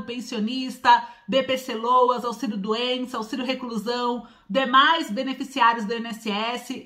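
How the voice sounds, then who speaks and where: A woman's voice: high-pitched, sharp tone. A woman in her forties with a São Paulo accent, hosting a news vlog straight to camera from a small room at home, drawing out key words with emphasis. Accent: Paulista Portuguese with rolled R. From São Paulo, Brazil. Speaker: channel host.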